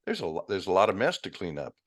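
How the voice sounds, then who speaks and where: A middle-aged American man hosting a casual interview, musing his way haltingly through his thoughts. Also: low-pitched, huge pitch swings. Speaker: interview host.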